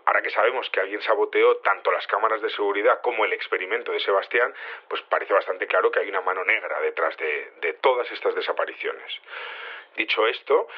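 Low-voiced security chief on a dull phone line. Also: male voice. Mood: earnest, halting. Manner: hesitant, halting explanations with frequent tags. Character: male security chief, earnest, defensive, matter-of-fact. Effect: phone-line filter. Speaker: head of security interviewed on air. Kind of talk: audio fiction acted as a live call-in interview. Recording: dull, band-limited phone call.

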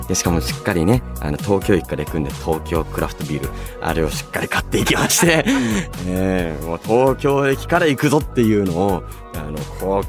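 A man hosting a radio show, chatting and reading listener mail in a polite, expressive manner. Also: low voice. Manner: polite, expressive, often breaking into laughter. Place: radio studio. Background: background music.

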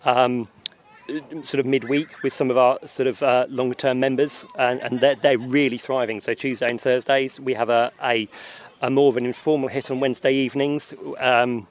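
A man in a casual outdoor interview at a tennis club, speaking at an everyday middle pitch. He hesitates often, filling gaps with ums and sort-ofs. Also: level tone, moderate pace, slight background noise. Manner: hesitant, filler-heavy.

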